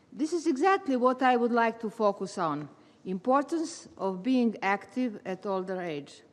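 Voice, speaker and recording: A woman, a retired English teacher giving a measured, formal prepared speech as a volunteer. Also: mid-range voice. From Serbia. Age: 70s. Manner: measured, formal delivery with careful phrasing. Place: large meeting hall. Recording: long hall reverb.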